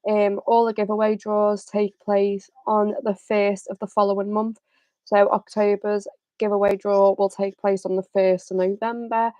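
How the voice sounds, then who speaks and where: A young woman with a slightly raspy voice, talking casually to her livestream viewers with lots of fillers. Her delivery stays fairly level without big swings in pitch. She sounds close to the mic in a dry room with no echo. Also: moderate pace. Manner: chatty, relaxed, many fillers. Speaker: host of a football livestream. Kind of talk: casual live chat.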